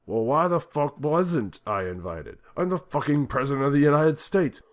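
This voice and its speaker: A man's voice: on the high side, expressive, moderate pace, pitched above the performer's own voice, natural voice. A man doing a raging, cursing male president. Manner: shouting, cursing. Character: furious foul-mouthed male US president.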